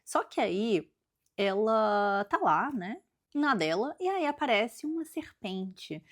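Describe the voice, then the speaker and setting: A woman's voice: medium pitch, very animated, takes it slowly. A woman with a Brazilian accent giving a casual, chatty book review, thinking aloud as she retells the story. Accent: Brazilian Portuguese. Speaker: book vlogger.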